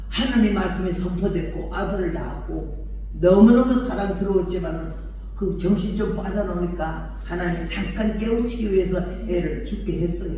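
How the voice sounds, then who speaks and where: An older woman evangelist, preaching a sermon in animated storytelling, acting out dialogue and laughing often. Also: mid-range voice, a little hiss or hum. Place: large church hall. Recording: echoey church hall from far off.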